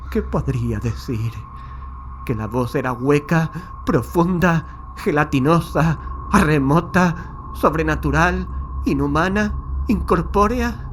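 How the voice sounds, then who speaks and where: An actor playing a shaken investigator recounting a graveyard horror in a grave, florid, haunted dramatic monologue. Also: male voice, mid-range voice, slight background noise, lightly acted. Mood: anguished, rising.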